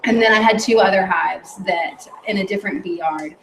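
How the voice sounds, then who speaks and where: A woman's voice: mid-range voice, normal speed, far from the mic, background noise. A woman beekeeper on a panel, reflecting on her own hives. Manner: reflective, recounting in a personal way. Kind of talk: casual panel discussion. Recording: roomy echo from off-mic with faint ambience.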